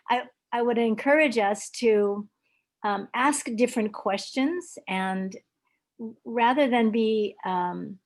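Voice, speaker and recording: An older woman from Hawaii, speaking in a meeting with many pauses, ums and restarts. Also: on the high side. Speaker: club member at a video meeting. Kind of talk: hesitant casual remarks.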